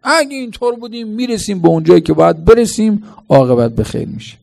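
Male preacher with a raised, raspy-edged voice, driving an emphatic sermon at a mourning gathering. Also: high voice, expressive, darkish tone. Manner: emphatic, rhetorical questions, chanted quotations.

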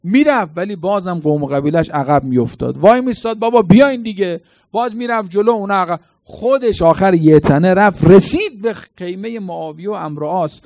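High gravelly-voiced male preacher. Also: expressive, hardly any pauses, a little mellow, no room sound. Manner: dramatic, quizzes the congregation. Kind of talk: colloquial sermon with storytelling.

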